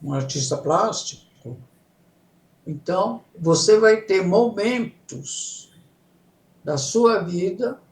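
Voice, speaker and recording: An older Italian psychoanalyst, appearing as a guest, gives reflective explanatory interview talk, unhurriedly explaining ideas in steps and checking in with "certo?". Her medium-pitched voice has lively intonation and a slightly mellow quality, in a reverberant, rough recording.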